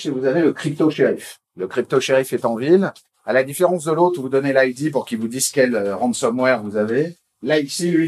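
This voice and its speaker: A man presenting at a technical conference, talking in a loose, chatty way. He stumbles through restarts, fillers and repeated words as he goes. His voice sits at an ordinary middle pitch. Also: a little mellow. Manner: rambling, halting delivery with many fillers and repeated words; informal, chatty tone. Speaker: conference speaker.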